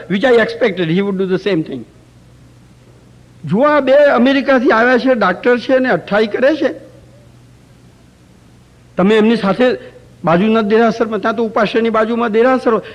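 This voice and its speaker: A man with a notably high-pitched voice teaches through anecdotes in a religious talk. He keeps turning to his listeners with rhetorical questions. It was recorded live in a community center hall. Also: dull audio. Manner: asks rhetorical questions of the audience.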